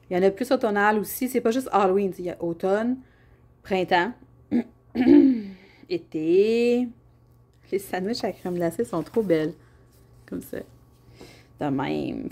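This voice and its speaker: A woman's voice: medium pitch, a little mellow. A young woman with a Québécois French accent, chatting casually as a colouring vlogger, rambling with fillers and restarts. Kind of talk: casual chat showing colouring books.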